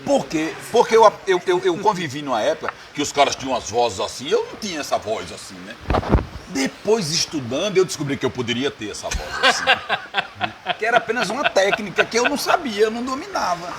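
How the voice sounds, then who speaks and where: A radio producer sits at a bar table indoors for a casual interview, spinning stories, laughing often and ending lines with a questioning "né?", like "right?". His high voice is very animated and fairly quick, over a noisy background.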